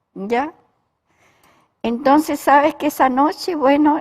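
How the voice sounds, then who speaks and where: The pitch varies in an ordinary way. The speaker is a woman. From southern Chile, Mapuche. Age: 80s+. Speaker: poet. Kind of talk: interview conversation.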